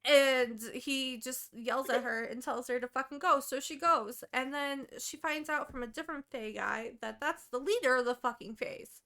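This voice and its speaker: A woman podcast host recaps a novel in loose, casual chat, cursing constantly and playing up the drama. Her voice sits high and comes across bright and forceful. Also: moderate pace, few pauses. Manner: profane, animated book recap.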